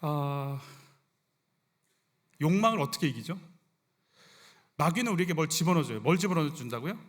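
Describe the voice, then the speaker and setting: A middle-aged male pastor delivers a sermon in an animated, conversational way, throwing rhetorical questions at his listeners. His voice sits fairly high and moves through a wide, expressive range. The sound carries a long reverb from the church hall. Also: moderate pace. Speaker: senior pastor. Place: church sanctuary.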